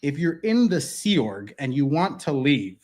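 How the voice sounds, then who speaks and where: A man's voice: fairly high pitch, sing-song, measured pace, darkish tone. A man in his thirties speaking as a guest in a casual interview, blunt and emphatic, swearing freely, recorded at a desk mic in a wood-paneled studio. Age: 30s.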